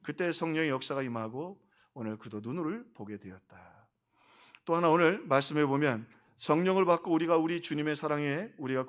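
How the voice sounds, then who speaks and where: A middle-aged man preaching a sermon as senior pastor, telling a story and acting out its dialogue, swinging between hushed lines and emphatic ones. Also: a little high. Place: church sanctuary.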